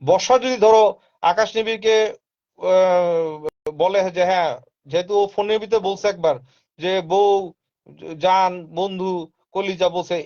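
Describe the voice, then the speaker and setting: A man's voice: high voice, darkish tone. A man talking casually and insistently, repeating his points and dropping in English phrases. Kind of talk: casual live talk. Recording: dull lo-fi sound.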